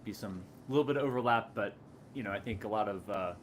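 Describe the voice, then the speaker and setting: A man's voice: lowish voice, quick pace, slight background noise. A man who teaches singing, chatting on a video call and trailing off with restarts. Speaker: vocal teacher. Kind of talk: casual roundtable chat.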